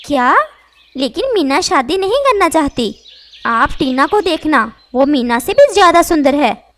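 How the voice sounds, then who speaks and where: A woman's voice: sits high, very animated, a little slow, fairly bright tone, exaggerated voice. A woman voicing a stern mother bird in a cartoon, who scolds and plays favorites. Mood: curt.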